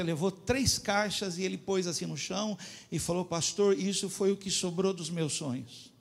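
A man preaching a sermon as pastor, telling a story and pressing his points with emphatic, loud appeals. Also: on the high side.

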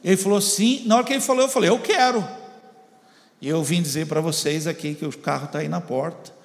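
A pastor telling a story in a sermon, acting out the voices and building up to shouts. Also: male voice, fairly high pitch, fast talker, vocal fry. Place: church. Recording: long church reverb.

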